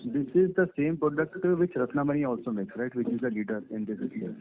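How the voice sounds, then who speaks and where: A man's voice: medium pitch, a little fast, crowd noise. A man with an Indian accent politely questioning management as an analyst on an earnings call. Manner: polite, deferential. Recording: noisy, crackly phone line with clicks.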